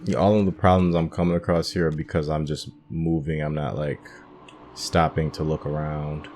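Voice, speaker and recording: A man's voice: rumbling low, level tone, moderate pace, darkish tone, slight background noise. A man giving casual video game playthrough commentary, thinking aloud as he guides viewers, with game music behind him.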